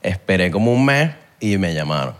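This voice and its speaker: A man's voice: low-pitched, sing-song, moderate pace, clear, resonant tone. Laid-back Venezuelan man telling stories. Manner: laid-back storyteller full of slang. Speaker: guest actor. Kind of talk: casual podcast chat.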